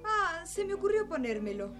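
Hesitant, soft-spoken young woman played by an actress. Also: very high-pitched, very animated, normal speed, soft background music, exaggerated voice. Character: Dulce, tired dreamy young woman.

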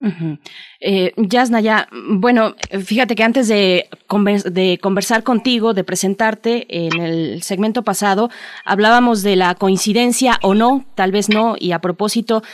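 A woman's voice: medium pitch, unhurried, a little hiss or hum. A woman from Mexico hosting a morning radio talk show, asking questions with many fillers and restarts. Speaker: radio host.

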